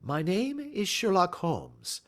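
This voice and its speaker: A man voicing a calm, shrewd gentleman detective who speaks blandly and with assurance in a storybook reading. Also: high-pitched, slow, voice pushed up, exaggerated voice. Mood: bland assured. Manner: bland, smooth and self-assured.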